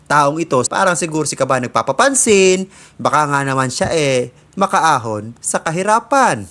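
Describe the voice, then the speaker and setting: A man from the Philippines delivers opinion commentary in a measured, deliberate way. His voice sits a little high, and he often pauses on filler sounds between thoughts. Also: very animated, fairly bright tone. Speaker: commentary host.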